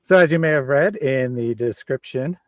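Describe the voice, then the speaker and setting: A man of forty hosts a casual livestream in an easy, chatty way and laughs now and then. His voice sits at an ordinary middle pitch. The sound is dry and close, with no room around it. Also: normal speed, no room sound. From Midwest United States. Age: 40s. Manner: relaxed, chatty, laughs often. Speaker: livestream host.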